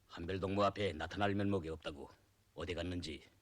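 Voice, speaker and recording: An actor playing a loyal, frank revolutionary fighter in a period film, speaking with a North Korean accent. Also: male voice, sits low, steady tone, brisk, no room sound, close to an everyday voice. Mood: serious.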